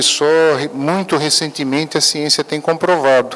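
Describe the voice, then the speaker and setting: A man speaks over noticeable background noise. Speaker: spiritist lecturer. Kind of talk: lecture. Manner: halting.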